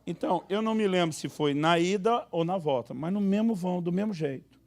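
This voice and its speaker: A man's voice: sits high, a little fast. A male pastor preaching a humorous sermon, telling anecdotes and acting out the voices in them. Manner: animated, acts out voices in anecdotes.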